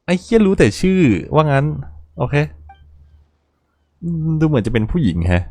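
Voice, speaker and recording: Young male game streamer, crude and jokey, animated delivery. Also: on the high side, moderate pace, no room sound, clean studio sound. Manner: crude, joking, swears a lot, laughs often. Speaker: gaming channel host. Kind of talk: casual gameplay commentary.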